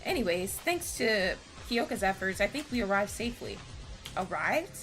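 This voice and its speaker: A woman reading game dialogue aloud, voicing bantering, earnest anime visual-novel students in a theatrical, expressive way. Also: medium pitch, moderate pace, soft background music, poor audio.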